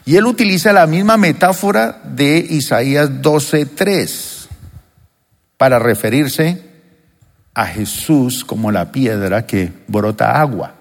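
Hombre predicando en una sala con eco. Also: male voice, medium pitch. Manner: emphatic preaching, rhetorical questions to the congregation. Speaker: pastor. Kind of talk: sermon. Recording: long reverb of a church hall.

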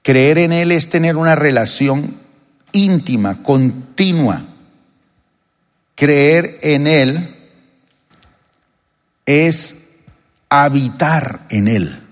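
A man's voice: fairly high pitch, lively intonation, drawn-out words, pauses often. A male pastor preaching with emphasis, asking his congregation question after question. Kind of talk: sermon. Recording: long reverb of a church hall.

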